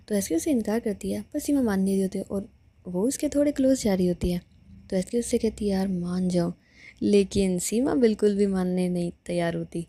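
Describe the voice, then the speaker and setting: A woman's voice: medium pitch, dark tone, slightly rough. A woman narrating a romance serial in a conversational storytelling manner.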